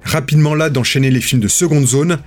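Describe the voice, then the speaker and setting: A man reading a scripted documentary narration in a measured, storytelling way. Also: on the high side, faint music behind.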